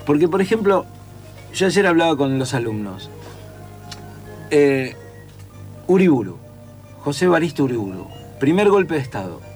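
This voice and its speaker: A man's voice: fairly high pitch, big pitch swings, normal speed, pauses often, a little mellow, soft background music. A man with a Rioplatense Spanish accent, a writer and teacher in casual conversation, who sings out rhythms to explain his points.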